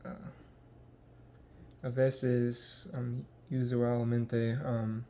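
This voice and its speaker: A young American man from the United States, talking casually in a vlog and haltingly searching for words with many ums. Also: medium pitch, monotone, mellow, a little hiss or hum. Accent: American English. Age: young adult. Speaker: language learner.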